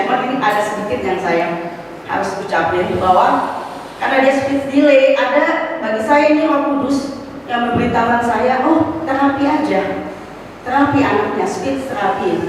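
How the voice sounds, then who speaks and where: A middle-aged woman shares a personal testimony in a church hall, her storytelling animated and peppered with casual asides. Her voice sits a little high and carries a slight cough. She sounds distant from the mic, with long reverb and a faint hum of room ambience. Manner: animated storytelling, rising to exclamations; mixes in casual slang and english words. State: has a cough. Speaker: testimony speaker at a church fellowship. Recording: echoey hall, voice from far off.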